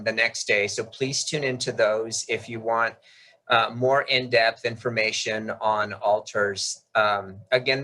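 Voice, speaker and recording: Bright-voiced man in his fifties, Spanish native speaker. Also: medium pitch, low-quality recording. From South Texas, United States. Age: 50s. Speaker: presenter. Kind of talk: informal slide presentation. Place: video call while screen sharing.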